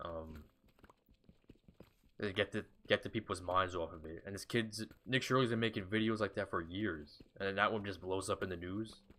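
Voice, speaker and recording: A man's fairly low voice, bright and sharp in tone, at a moderate pace with fairly even intonation and long, frequent pauses. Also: very clean recording, silent background. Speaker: gaming streamer. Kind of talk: casual gameplay commentary. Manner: halting, stuttering; rambling, casual.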